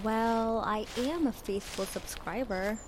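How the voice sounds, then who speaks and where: A woman's voice: a little high, slow, background noise. Easygoing outdoorsy woman amid birdsong. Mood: playful. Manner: casual, playful. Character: Naki, keen, easygoing woman hiker, playful and reassuring. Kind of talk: naturalistic audio drama dialogue. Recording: clear outdoor birdsong and nature ambience.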